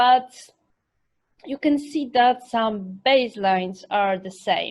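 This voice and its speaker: Her intonation lively, a woman speaks with a Polish accent. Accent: Polish accent, non-native English. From Poland. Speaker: game level designer. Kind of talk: conference talk. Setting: self-recorded talk. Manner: halting.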